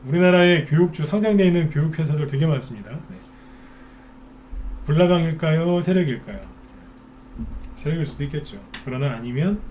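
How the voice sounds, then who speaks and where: A man with a fairly high voice hosts a stock market broadcast as an expert, speaking casually and rattling off rhetorical questions, often imitating anxious investors. There's slight background noise.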